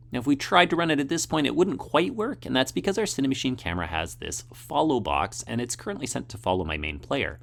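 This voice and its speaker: Guy doing a coding tutorial voiceover, really animated up and down, crackly fry, explains step by step. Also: mid-range voice. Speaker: tutorial host. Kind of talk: scripted coding tutorial narration.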